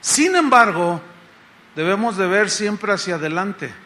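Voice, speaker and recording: Bright-voiced Mexican pastor preaching. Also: male voice, high-pitched, big pitch swings, unhurried. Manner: conversational preaching, rhetorical questions to the congregation. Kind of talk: sermon. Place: church congress hall.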